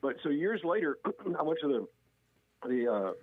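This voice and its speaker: A man's voice: on the high side, big pitch swings, moderate pace, narrow, tinny audio. A middle-aged man calling into a radio show, telling stories casually with lots of fillers. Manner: rambling storyteller, many fillers. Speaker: guest on the show.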